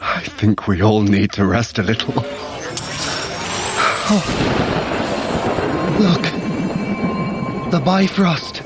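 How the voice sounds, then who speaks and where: An actor playing a sly trickster god with arch, dryly witty, theatrical delivery in an audio adventure. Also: male voice, lowish voice, sing-song, drawn-out words, long pauses, heavily acted. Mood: quiet relief. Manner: arch, theatrical, dry wit. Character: wry, sly male trickster god, Thor's brother. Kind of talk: dramatic audio adventure acting. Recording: loud music and effects bed. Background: loud music.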